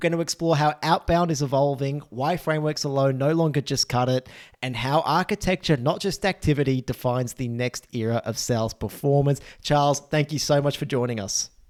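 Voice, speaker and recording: A man with a fairly high voice talks at a fairly quick clip with ordinary pitch variation, recorded dry and close with no echo. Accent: Australian. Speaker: podcast host. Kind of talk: casual interview chat. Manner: animated.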